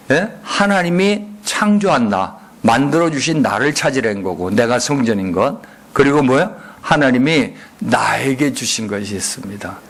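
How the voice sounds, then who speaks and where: 예배당에서 설교하는 중년 남성 목사로, 회중에게 수시로 질문을 던지고 응답을 유도한다. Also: male voice, mid-range voice, a bit bright. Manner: call-and-response, frequent rhetorical questions. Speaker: guest pastor. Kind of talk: sermon. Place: church sanctuary.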